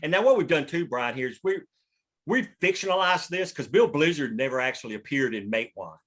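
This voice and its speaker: A man's voice: on the high side, animated, brisk. A man talking casually and emphatically as a screenwriter, explaining his thinking in a rambling way. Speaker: screenwriter leading a script table read. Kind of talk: casual discussion.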